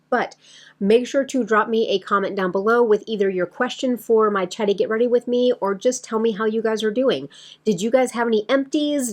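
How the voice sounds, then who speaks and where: A woman talking casually to her viewers as a beauty vlogger, in a chatty, rambling way that addresses them directly. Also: medium pitch. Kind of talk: casual chatty vlog to camera.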